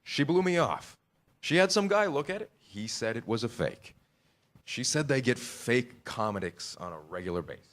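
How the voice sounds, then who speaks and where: A man's voice: mid-range voice, big pitch swings, normal speed, a bit bright. A man playing an earnest, easily flustered aspiring screenwriter in a staged comedy reading. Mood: dejected. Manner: hesitant, stammering, indignant when crossed.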